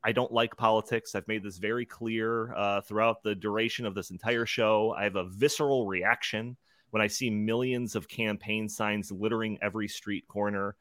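A man's voice: lowish voice, steady tone, moderate pace, fairly bright tone, no room sound, clean studio sound. A man hosting a live podcast in an informal, joking, chatty way. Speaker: podcast host.

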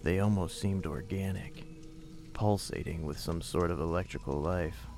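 A man narrating a first-person horror mystery audio drama in a measured storytelling manner. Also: low-pitched. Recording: music bed under voice.

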